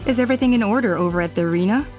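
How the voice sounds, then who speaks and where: An actress playing a calm, authoritative tribal elder in a video game, poised and businesslike. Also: female voice, medium pitch, very fast, faint music behind, lightly acted.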